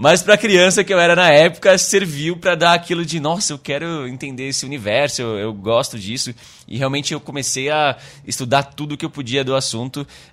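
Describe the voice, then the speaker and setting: A man talks at a fairly quick pace in a plain, everyday voice, his pitch fairly high and his intonation lively. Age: 30s. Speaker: cybersecurity specialist and YouTuber. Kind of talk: casual interview chat.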